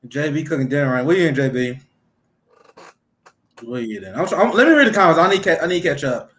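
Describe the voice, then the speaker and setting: A man with a Midwestern accent hosting a casual livestream, talking fast and getting excited. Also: a little high. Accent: Midwestern American. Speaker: livestream host.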